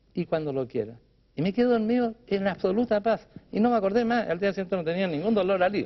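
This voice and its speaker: With a Chilean accent, a man talks at a very fast pace in a high pitch with ordinary pitch variation. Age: 70s. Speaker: philosopher. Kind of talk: interview. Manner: halting.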